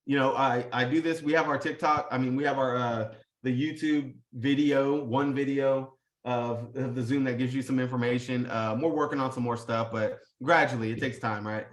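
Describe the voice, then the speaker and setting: A man's voice: medium pitch, steady tone, normal speed, roomy sound. A man hosting a live video call, talking in a casual, pumped-up motivational way, heavy on slang, swearing and fillers. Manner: hyped, profane, full of slang and fillers. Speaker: host.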